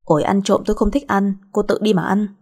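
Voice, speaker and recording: A woman's voice: mid-range voice, fairly even intonation, fairly quick, darkish tone, slightly rough. A woman voicing a stern, fussy grown man who speaks curtly and finds fault. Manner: curt, reproachful.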